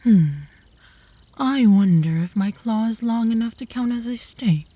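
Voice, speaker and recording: Girl voicing smug possessive werewolf girl, slow husky teasing, dark mellow tone, asmr audio drama. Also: fairly high pitch, no room sound. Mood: pondering. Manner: smug, taunting. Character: cocky, possessive young female werewolf rival in love.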